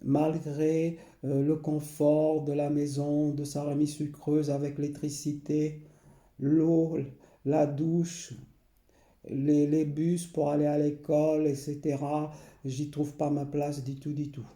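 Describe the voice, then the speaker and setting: A man, recalling his past slowly and hesitantly, often pausing and repeating himself. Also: on the high side, completely flat delivery, warm tone, roomy sound. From Portugal. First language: Portuguese. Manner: hesitant, many pauses and repeated phrases. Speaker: memoir narrator. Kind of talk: slow personal recollection.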